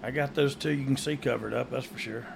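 A man's voice: medium pitch, steady tone, a little fast, gravelly. A man co-hosting casual comedic banter in a jokey, self-deprecating way, with some background noise. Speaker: co-host.

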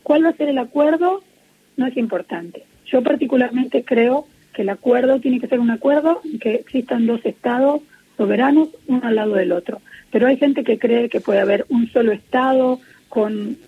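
A middle-aged woman from Argentina with an Argentine Spanish accent, speaking as an interviewee in a phone interview, earnest and measured with many hesitations. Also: fairly high pitch, vocal fry, a little hiss or hum. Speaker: interviewee, peace activist. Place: at home in Israel. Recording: muffled lo-fi phone line.

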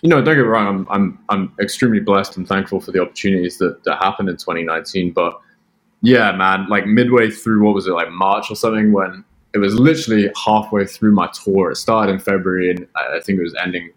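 Male podcast guest, low voice, Australian-sounding British-American accent, casual conversational delivery. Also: brisk. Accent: British mixed with American, sounds Australian. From Britain. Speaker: podcast guest, music producer. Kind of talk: casual chat.

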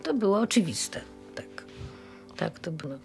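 A woman's voice: medium pitch, sing-song, normal speed, darkish tone. Older woman reminiscing, faint music behind.

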